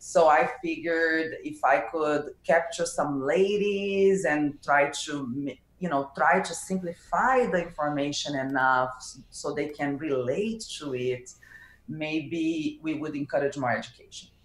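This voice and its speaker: Amid noticeable background noise, a woman with a Brazilian Portuguese accent speaks fairly slowly in a very deep, low pitch with ordinary pitch variation. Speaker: crypto content creator. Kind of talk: interview.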